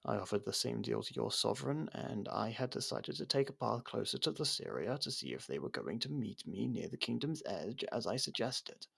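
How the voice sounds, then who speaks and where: An actor playing a proud, defiant captured royal in an ASMR roleplay, speaking in a haughty, halting, dramatic way. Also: male voice, medium pitch, lively intonation, gravelly, a bit bright, husky, exaggerated voice. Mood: resigned, disdainful.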